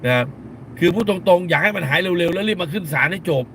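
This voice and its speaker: A man's voice: high voice, expressive, fast talker, pushed and bright, slight background noise. A middle-aged man, a lawyer hosting a live stream, talks bluntly in casual commentary and scolds with crude slang, repeating phrases for emphasis.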